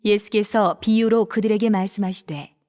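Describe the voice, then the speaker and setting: A woman narrating scripture from a script in a measured, formal manner. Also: medium pitch, steady tone, mellow. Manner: measured, formal read delivery.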